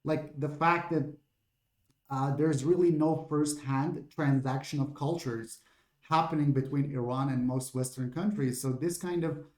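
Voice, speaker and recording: Male lecturer with an Iranian accent, informal webinar, dark mellow tone, hesitant with fillers, roomy echo. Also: on the high side, fairly even intonation, measured pace. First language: Persian. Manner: thinking aloud with many fillers and restarts. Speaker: literature lecturer. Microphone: computer mic on a video call.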